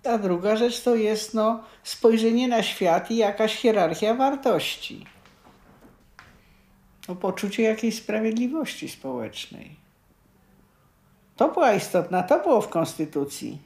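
A woman's voice: mid-range voice, lively intonation, a little slow, pauses often, a little mellow. A woman explaining her view point by point in interview talk, repeating key phrases for emphasis. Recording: roomy, echoing sound.

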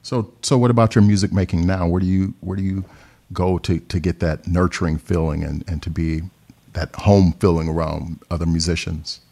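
A man hosting a live call-in radio show, asking callers gentle, encouraging questions. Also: sits low, fairly even intonation, normal speed, vocal fry, breathy edge. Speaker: radio host.

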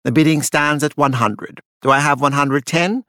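A man's voice: on the high side, moderate pace, sharp tone, no room sound, clean studio sound. A man voicing a formal, unflappable Victorian auctioneer in a gothic audiobook, calling lots and bids in a clipped manner. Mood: brisk, formal.

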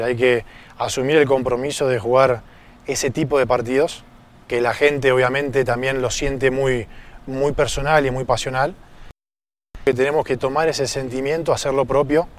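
Measured male footballer in interview. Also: medium pitch. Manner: measured, repetitive phrasing. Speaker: professional footballer. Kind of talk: post-match interview.

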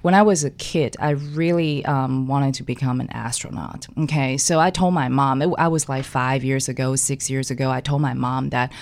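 A woman from Taiwan talks in a low voice, halting and full of fillers, circling back to restart her thoughts. She is a guest in a relaxed studio interview. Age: young adult. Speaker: guest designer. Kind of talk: casual interview talk.

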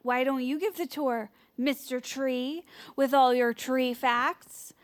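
An actress playing a flighty, anxious White House aide in an audio drama, chatty, folksy and easily flustered. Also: female voice, sits high, fairly even intonation, takes it slowly, clear, resonant tone. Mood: chirpy, irritated. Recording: music under the voice.

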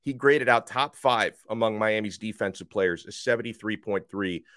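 A man hosting a college football podcast, slightly hoarse, talking with emphatic energy that rises toward near shouts. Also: on the low side, moderate pace, no room sound, clean studio sound. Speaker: sports podcast host. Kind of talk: college football talk with ad read. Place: radio studio.

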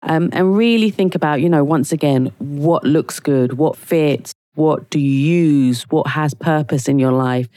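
Woman podcast host, deep-pitched and croaky from a cold, casual and rambling, dry close recording. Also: dark tone, no room sound. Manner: chatty, rambling with fillers and restarts. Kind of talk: casual solo podcast talk.

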